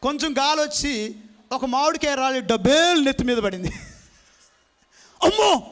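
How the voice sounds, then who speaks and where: A man's voice: extremely high pitch, a bit bright. A male priest preaching a sermon in church, drawing answers from the congregation and stretching out key words for emphasis. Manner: call-and-response with congregation; emphatic, drawn-out stressed words. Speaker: Catholic priest.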